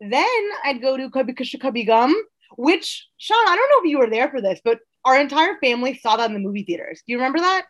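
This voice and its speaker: Higher-pitched woman hosting a casual podcast. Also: big pitch swings, fast talker. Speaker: podcast host.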